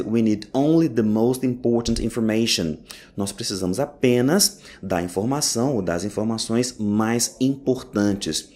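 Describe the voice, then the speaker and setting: A man teaching English in a recorded lesson, explaining step by step and slowly repeating each phrase. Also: on the low side, darkish tone. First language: Portuguese.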